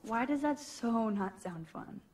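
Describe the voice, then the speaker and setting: A woman's voice: fairly high pitch, lively intonation, measured pace, darkish tone, a little hiss or hum. A young woman voicing an observant teenage student in a video game, with dry, wry musings.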